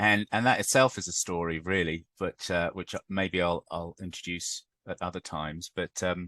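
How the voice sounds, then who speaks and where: Speaking with an English accent and hardly any pauses, a man with a very deep, low pitch and a bright, sharp tone keeps fairly even intonation in a dry, close sound with no echo over a quiet background. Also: moderate pace. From England. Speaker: ecologist and PhD candidate, podcast host. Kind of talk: casual conversation. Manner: halting, many fillers.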